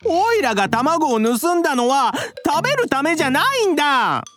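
A woman's voice: high-pitched, very animated, normal speed, faint music behind. Woman voicing Loki, a mischievous boyish dinosaur. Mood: eager. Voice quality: boyish, eager, talks with stammers. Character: mischievous young male dinosaur egg thief. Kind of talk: children's audio drama acting.

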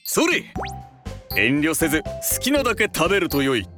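A pompous old lord, lilting slow drawl. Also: male voice, a little high, wildly swooping pitch, over music. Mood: jovial. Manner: old-fashioned lordly speech, hearty. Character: pompous, playful older feudal lord, male. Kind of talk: children's folk tale audio drama.

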